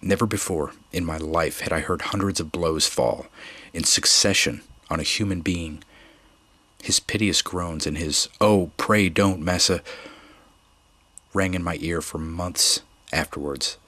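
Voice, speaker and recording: A man narrating a book aloud in a measured, earnest reading. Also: low-pitched, bright, forceful tone, no room sound. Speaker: audiobook reader. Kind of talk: audiobook narration.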